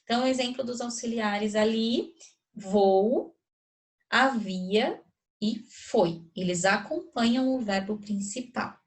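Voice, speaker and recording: A woman's voice: a little high, slow. A woman with a Brazilian Portuguese accent teaching a recorded grammar lesson, explaining step by step and often checking whether students follow. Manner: explanatory, checks understanding with rhetorical questions.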